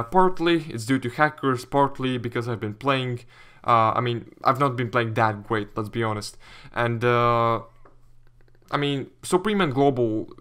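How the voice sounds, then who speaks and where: Young male YouTube gamer, Latvian accent, mid-pitched voice, casual Q&A delivery. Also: a bit bright, clean tone. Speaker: YouTube gaming commentator. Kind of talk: casual Q&A commentary reading viewer questions.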